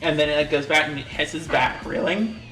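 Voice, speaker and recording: A man's voice: fairly high pitch, moderate pace. A man running a tabletop game as game master, narrating loosely with fillers and restarts. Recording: echoey room with faint music.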